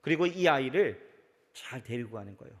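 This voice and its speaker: A man's voice: mid-range voice, brisk. A pastor preaching a sermon to his congregation, speaking right to them and acting out the voices of the people in his stories. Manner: animated preaching, acts out quoted voices, addresses congregation directly. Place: large church sanctuary. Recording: reverberant large church sanctuary.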